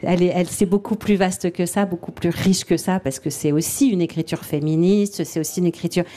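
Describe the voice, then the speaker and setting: Mellow-voiced woman, halting thoughtful speech. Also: lowish voice, steady tone. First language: French. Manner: thoughtful, halting, frequent restarts. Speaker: author and literary translator. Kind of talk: radio interview answers.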